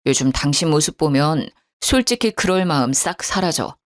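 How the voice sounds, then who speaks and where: A woman's voice: low voice, animated, moderate pace. A woman voicing a defensive, dismissive young husband in a storybook narration. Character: sullen young married man, the husband.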